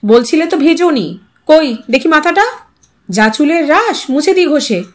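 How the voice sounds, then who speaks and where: A woman's voice: sits high, lively intonation, measured pace, pitched above the performer's own voice. A woman voicing an anxious, easily hurt mother who frets and scolds in an agitated way, in an audio story. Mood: hurt, fussing. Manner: agitated, fretful complaining.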